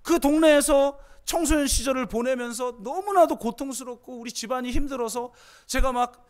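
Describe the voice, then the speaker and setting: A middle-aged man preaching a sermon as pastor, telling stories emotionally, moving from hushed tones to impassioned pleas. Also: very high voice, moderate pace.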